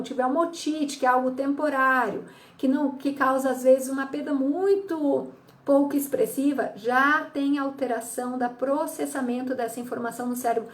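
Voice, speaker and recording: Higher-pitched woman explaining health topics. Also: a little mellow. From Brazil. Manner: didactic, frequent "tá?" check-ins, acts out patient quotes. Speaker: audiologist and psychologist.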